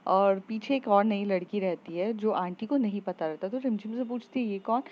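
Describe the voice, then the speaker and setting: Female storyteller, relaxed with fillers, slightly dull recording. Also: mid-range voice, moderate pace. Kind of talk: storybook narration.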